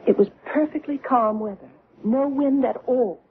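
An actress playing an earnest, haunted middle-aged woman in a vintage radio drama, recalling strange things in hesitant, deliberate, broken phrases. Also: on the high side, breathy edge. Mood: earnest, remembering. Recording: noisy, tinny old radio recording.

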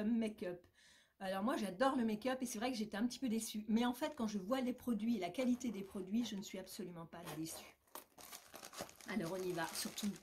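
A woman's voice: mid-range voice, darkish tone, slight background noise. Chatty woman unboxing beauty products. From France. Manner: chatty, enthusiastic, many fillers and asides. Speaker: beauty box reviewer. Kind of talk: casual unboxing chat.

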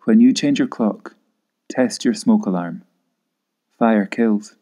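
A man giving a grave, measured voice-over in the sober style of a public safety advert. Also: fairly low pitch, mellow.

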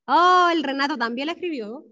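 A woman with a Chilean accent teaching an online class to young children, encouraging and praising pupils by name, drawing words out slowly syllable by syllable. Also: high voice, sharp tone. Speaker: primary school teacher. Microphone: video call. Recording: dull lo-fi video call audio.

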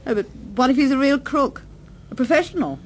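An actress playing a detective's affectionate, inquisitive wife in a radio drama, a little anxious. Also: female voice, high-pitched, expressive, a little fast, a little hiss or hum. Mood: inquisitive, concerned.

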